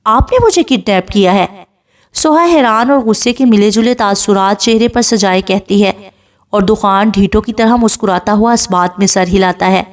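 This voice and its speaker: Woman narrating a romance novel. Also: mid-range voice. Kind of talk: dramatic novel reading.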